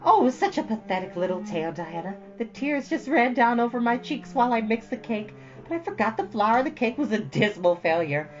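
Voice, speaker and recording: A woman's voice: a little high, sing-song, brisk, few pauses, dull audio, faint music behind, pitched above the performer's own voice. A woman voicing an imaginative, dramatic young girl who talks in breathless run-on stories. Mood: rueful, dramatic. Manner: breathless, run-on storytelling, theatrical.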